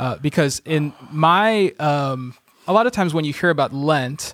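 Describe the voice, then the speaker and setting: A man with a fairly high pitch and ordinary pitch variation talks with an American accent in an ordinary speaking voice. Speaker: podcast host and university teacher. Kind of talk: live podcast interview; scripted narration. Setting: in person before a live audience.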